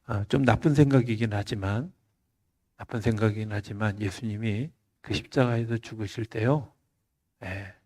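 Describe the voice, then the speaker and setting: Husky, mellow Korean pastor preaching. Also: male voice, fairly low pitch, normal speed. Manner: swings from loud emphasis to soft near-whispers. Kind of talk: sermon at a Friday night service. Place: church.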